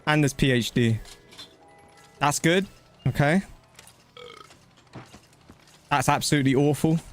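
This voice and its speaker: A man's voice: on the high side, takes it slowly, faint music behind. A man giving casual live gameplay commentary and chatting to viewers, blunt, slangy and matey, with some swearing. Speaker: video game streamer.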